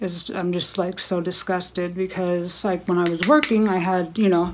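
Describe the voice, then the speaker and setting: Moderate pacing from a woman with a medium pitch, set in audible room echo. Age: 40s. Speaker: beauty vlogger. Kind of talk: casual chat. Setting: home bathroom.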